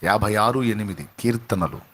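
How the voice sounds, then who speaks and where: A man's voice: on the low side, lively intonation, moderate pace, fairly bright tone, slightly rough. Man preaching with emphatic repetition. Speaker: pastor. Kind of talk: sermon.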